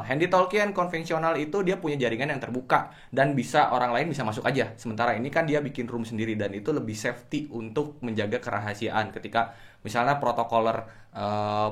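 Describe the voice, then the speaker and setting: A man with a colloquial Jakarta Indonesian accent, giving casual explanations as a guest commentator in a slangy, joking, expressive way. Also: medium pitch. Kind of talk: casual chat, explanatory opinion.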